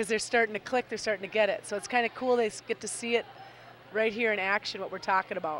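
Over light background noise, a woman with a fairly high pitch speaks in an excited tone with ordinary pitch variation, the sound dry with no echo. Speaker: color commentator and volleyball coach; color commentator, volleyball coach. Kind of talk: live sports commentary; sports commentary. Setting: gymnasium, live broadcast. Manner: brief, excited remarks on the play. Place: hall.

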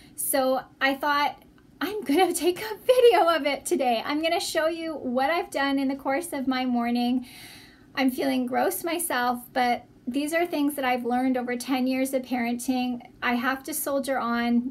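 Her voice is high-pitched, and the woman uses ordinary pitch variation. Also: moderate pace. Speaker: mother vlogger. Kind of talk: casual vlog chat. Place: home room. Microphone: phone near.

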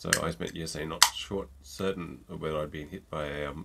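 At a moderate pace, the voice has vocal fry and a bright, sharp tone. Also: man. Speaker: drinks reviewer. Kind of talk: casual product review to camera. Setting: home recording with microphone. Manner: hesitant with many fillers.

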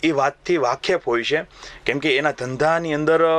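Against noticeable background noise, a man speaks at a fairly high pitch with ordinary pitch variation, the sound dry and close with no echo. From Gujarat, Amreli district village. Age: 30s. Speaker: charitable trust founder. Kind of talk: interview. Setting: studio.

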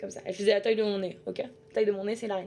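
A woman with a fairly high pitch. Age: 20s. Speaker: streamer. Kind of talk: live stream chat. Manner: animated. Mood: playful, a bit shy. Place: home room. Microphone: studio mic.

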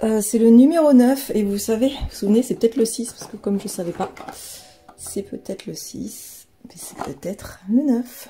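A woman at a moderate pace with big swings in loudness over light background noise. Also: ordinary pitch variation. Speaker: lifestyle vlogger. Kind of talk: casual vlog chat. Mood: playful, mildly disappointed. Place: home room. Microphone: phone near.

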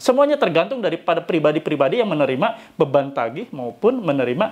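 Here a man talks at a fairly quick pace in an animated tone. His pitch swings very widely. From Indonesia. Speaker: YouTuber, former debt collection manager; YouTuber. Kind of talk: motivational vlog monologue. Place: home room.

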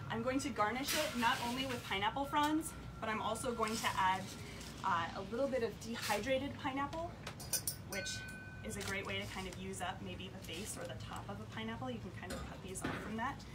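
Over loud background noise, a woman with an American accent talks at a fairly quick pace. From New York. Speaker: competing bartender. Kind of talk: competition presentation. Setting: outdoors. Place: bar. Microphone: camera far.

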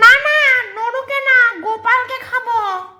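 A put-on character voice, extremely high in pitch, comes across shrill and nasal. Light background noise sits underneath. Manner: horrible, frightening, shrieking.

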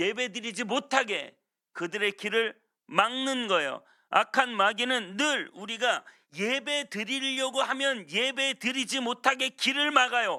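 A man with an extremely high pitch and a bright, sharp tone uses a raised, projected voice at a very slow pace. His pitch varies in an ordinary way, and the recording is very clean with a silent background. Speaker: pastor. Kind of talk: sermon. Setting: church.

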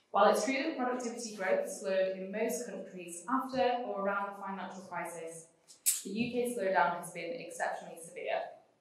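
In a room with strong echo, a woman talks at a fairly quick pace with lively intonation. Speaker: policy researcher. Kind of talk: presentation. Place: hall.

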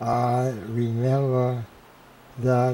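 With light background noise behind him, a man speaks in a dark, mellow tone with monotone, flat intonation. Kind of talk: interview answer. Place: home room. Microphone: handheld.

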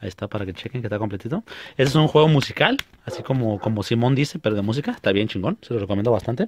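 Lively intonation in a Mexican accent at a very fast pace, dry with no echo, with light background noise. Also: man. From Mexico. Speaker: YouTuber and video game collector; YouTuber. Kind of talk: casual vlog monologue; casual vlog chat. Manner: animated. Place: home room. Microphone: phone near.

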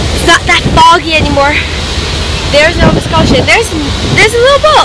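Loud background noise surrounds a dry voice with no echo, moving at a moderate pace. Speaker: travel vlogger. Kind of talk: casual vlog chat. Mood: cheerful, excited. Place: boat. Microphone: phone near.

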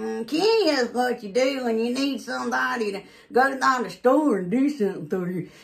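A woman uses a cartoonish character voice at a fairly high pitch. Her pace is moderate. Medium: puppet. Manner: snarky, grumpy.

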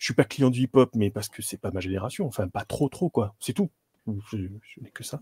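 A man speaks at a moderate pace in a somewhat breathy voice with a dark, mellow tone, ordinary pitch variation and big swings in loudness. The sound is dry with no echo, and the background is quiet. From Provence, southern France (Istres/Martigues). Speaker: tabletop RPG streamer. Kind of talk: casual live-stream chat. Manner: animated, laughs often. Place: home room.

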